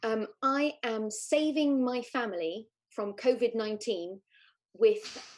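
A woman with a British accent speaks at a fairly high pitch with ordinary pitch variation. She leaves long pauses, and often. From Britain. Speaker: comedian. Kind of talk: casual chat.

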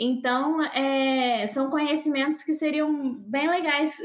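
A woman speaks at a very slow pace. Her high pitch carries fairly even intonation. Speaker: economics student. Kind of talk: casual interview.

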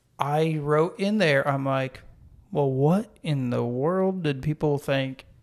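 Using a Southern US accent, a man talks at a fairly high pitch with ordinary pitch variation. His pace is very slow. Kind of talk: casual faith conversation.

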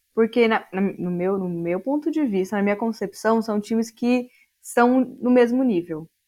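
Over a quiet background, a woman speaks at a moderate pace in a medium pitch with ordinary pitch variation. She has a normal speaking voice. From Brazil, Santos. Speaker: psychotherapist. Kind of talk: casual chat.

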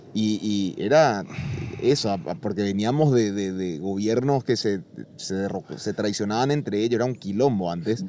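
Noticeable background noise sits behind a man speaking at a medium pitch. He talks at a fairly slow pace with lively intonation. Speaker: podcast host. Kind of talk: interview.

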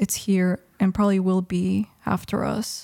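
Monotone, flat intonation and a dark, mellow tone come with a Russian accent at a fairly slow pace. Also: woman. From Mexico, Monterrey, Russian household. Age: 20s. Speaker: art history student and poet. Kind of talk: casual chat.

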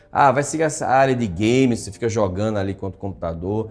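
There is audible room echo around this man's fairly low voice. He talks at a fairly quick pace with lively intonation. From Brazil, Northeast. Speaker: instructor. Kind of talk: online lecture. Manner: conversational, many fillers.

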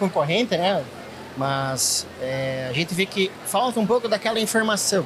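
A man's fairly slow, lively-intoned speech over noticeable background noise. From Santa Catarina, Brazil. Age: 30s. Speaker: marble workshop owner. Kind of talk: podcast interview. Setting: trade fair booth.

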